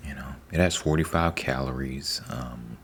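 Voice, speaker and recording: A man giving a soft-spoken ASMR ramble, unhurried and repetitive, sometimes slipping into a whisper. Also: extremely low pitch, vocal fry, slight background noise. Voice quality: soft, partly whispered delivery. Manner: unhurried, rambling, repeats himself. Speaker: ASMR host.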